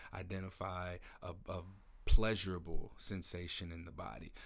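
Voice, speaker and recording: A man talks in a very deep, low voice. Audible room echo surrounds it. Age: 30s. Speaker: podcast host, nonprofit founder. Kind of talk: solo reflective monologue. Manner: hesitant, filler-heavy.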